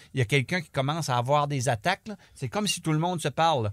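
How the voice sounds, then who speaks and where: At a moderate pace, a man with a fairly high pitch talks in an animated tone with ordinary pitch variation. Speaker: teacher, badminton umpire and comedian. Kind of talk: interview. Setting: studio.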